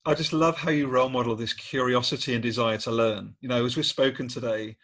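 A man's voice: mid-range voice, fairly even intonation, a little fast, a bit bright. A man hosting a podcast interview, enthusiastic and complimentary, with loose, rambling phrasing. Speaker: podcast host. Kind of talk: warm interview chat.

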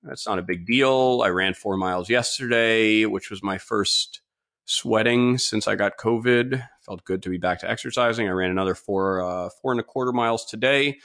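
A man's voice: on the low side, normal speed, a bit bright. A man with a slightly stuffy, congested nose, hosting a solo opinion podcast in an informal, opinionated, emphatic way. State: mild nasal congestion from a cold-like illness. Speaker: podcast host.

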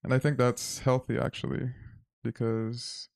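A man from Zimbabwe talks slowly through his thoughts, often stopping with fillers to find the next word. His voice is gravelly and stays level. The sound is dry and close. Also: mid-range voice, level tone, a little mellow, no room sound. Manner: thoughtful, searching for words with many fillers. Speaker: guest. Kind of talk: reflective conversation.

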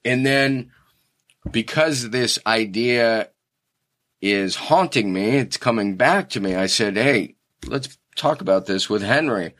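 A man's voice: mid-range voice, animated, takes it slowly, a bit bright. A man in casual conversation, telling a rambling story and restarting his sentences often. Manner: rambling, self-correcting storyteller.

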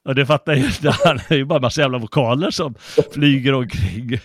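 A man's voice: mid-range voice, no room sound, studio quality. A man co-hosting a casual chat about poetry, telling stories with lots of fillers and restarts. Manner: animated storyteller with many fillers. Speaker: podcast co-host.

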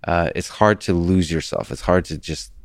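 A man with Russian as his first language, hosting a podcast in a soft-spoken, halting way with many restarts. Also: sits low, no echo. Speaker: podcast host. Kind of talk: casual conversation.

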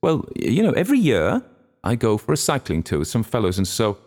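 A man's voice: mid-range voice, huge pitch swings, fairly quick, a little mellow, voice pushed up. A man voicing an awkward, defensive middle-aged man who stammers at the start of his replies. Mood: flustered.

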